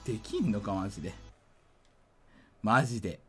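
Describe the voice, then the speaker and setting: A drunk man giving casual gameplay commentary, rambling, slightly slurred and excitable, often repeating himself. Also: lowish voice, normal speed, husky, faint music behind. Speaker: gaming video creator.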